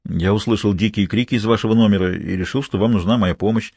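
A man voicing a composed, principled detective speaking in measured tones. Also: fairly low pitch, darkish tone, slightly rough, no echo. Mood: calm, wary. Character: calm, principled male detective.

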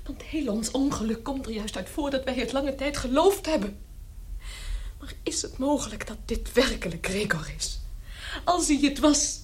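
An actress playing a desperate young sister in a radio play, earnest and distressed. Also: female voice, sits high, slight background noise. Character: desperate, hardened young sister pleading with her parents.

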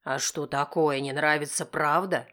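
A woman voicing an enraged middle-aged husband who snarls harsh, cursing retorts in her own low voice. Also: steady tone, a little slow, a bit bright. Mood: snarling. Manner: harsh, snarling through teeth.

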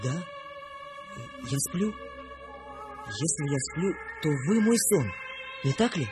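A man's voice: a little high, sing-song, slow. An actor playing a sensitive young man, a wary dreamer, in a radio drama, questioning and earnest. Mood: curious. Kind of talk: Russian radio drama acting. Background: music.

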